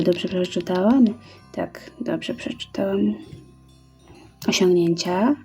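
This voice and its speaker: A female gaming YouTuber provides chatty let's-play commentary, reading orders aloud and counting out her steps as she goes. Her voice sits on the low side with a dark tone.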